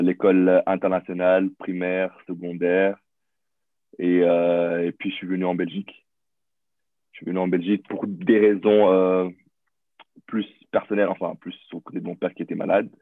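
A man in his thirties from Burundi, with a very low voice, talks as a podcast guest. He hesitates often and restarts his sentences. The sound is dry and tinny, like a phone line. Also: monotone, normal speed, no room sound. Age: 30s. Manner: hesitant, many fillers and restarts. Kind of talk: casual interview talk.

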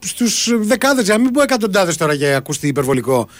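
A man's voice: sits high, big pitch swings, no echo, soft background music. A man co-hosting a sports radio show in a studio, joking in a playful, mock-serious way. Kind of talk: casual joking studio banter. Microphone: studio microphone.

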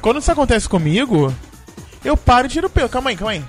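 Teasing man with a lively voice. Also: extremely high pitch, over loud music. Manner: teasing, quick remarks. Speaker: co-host. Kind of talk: casual comedic chat.

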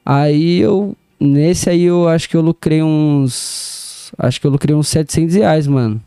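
A man's voice: on the high side, unhurried, mellow, clear, resonant tone, dry recording, studio quality. A young man telling stories as a podcast guest, easygoing and full of slang. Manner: laid-back street slang, storytelling, laughs often. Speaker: DJ and music producer guest. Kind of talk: casual podcast interview.

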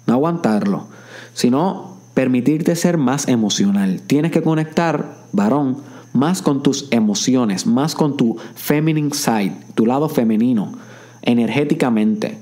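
A man's voice: medium pitch, expressive, measured pace, dark tone. A man delivering a motivational self-help monologue, addressing the listener directly in a repetitive coaching tone and dropping English phrases into his speech. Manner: mixes English phrases into Spanish.

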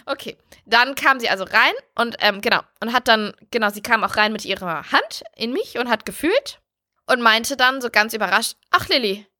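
A woman's voice: a little high, lively intonation, moderate pace, bright, forceful tone. A young woman telling her own story in casual chat, candid and blunt, swearing freely. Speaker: podcast host.

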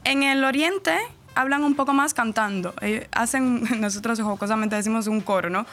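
A woman radio presenter from Camagüey, speaking with a central-eastern Cuban accent, is a chatty guest in a casual radio interview. Her voice is fairly high and a bit bright at a moderate pace, over soft background music. She goes into long explanations and laughs easily.

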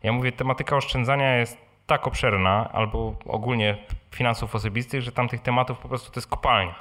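A blogger and podcast host runs a live question-and-answer session in a room with an audience. His voice is medium-pitched, fairly quick and a bit bright, with fairly even intonation, and he talks informally, often adding short tag questions.

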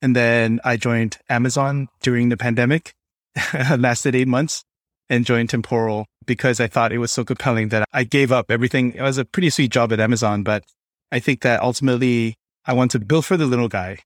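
A man's voice: mid-range voice, fairly even intonation, a little fast, dry recording, clean studio sound. A man from Singapore speaking as a podcast guest, explaining tech in a conversational interview style. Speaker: podcast guest, developer experience lead.

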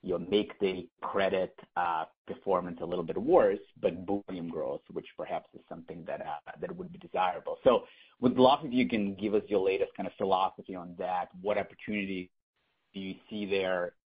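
A man's voice: deep voice, steady tone, fairly quick, husky. A man working as a financial analyst, asking a question on an earnings call in a hesitant, roundabout way. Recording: dull lo-fi phone-in audio.

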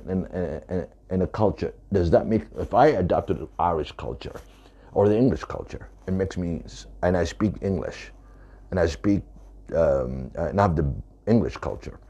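A man's voice: sits low, animated, normal speed, dark tone, breathy edge, dull audio. A man of Arab origin, an author, speaking emphatically about his book and repeating his points to drive them home.

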